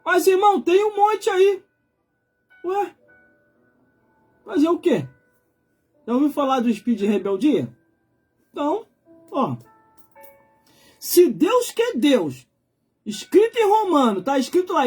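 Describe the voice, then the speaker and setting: Brazilian male livestream preacher, 40s, high-pitched, colloquial and insistent delivery over music. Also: darkish tone. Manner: emphatic, colloquial, repeats phrases for effect. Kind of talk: informal live sermon.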